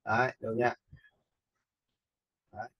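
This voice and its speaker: A man giving a casual screen-share software lesson, often checking in with his learners through short questions. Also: mid-range voice, flat delivery, unhurried, slightly rough, muffled recording. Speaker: instructor in animation software tutorial.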